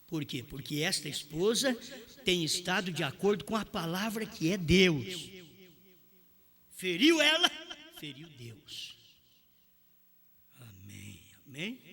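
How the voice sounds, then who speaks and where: A man with a Brazilian Portuguese accent preaching a sermon, swinging from shouted lines to quiet ones. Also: fairly high pitch, sing-song, a little slow, creaky.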